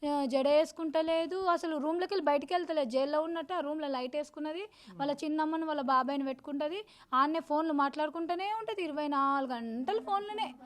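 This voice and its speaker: Fast, high-voiced woman pleading her case. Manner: rapid, insistent, repeats herself. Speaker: victim's sister interviewed. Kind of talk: emotional interview testimony.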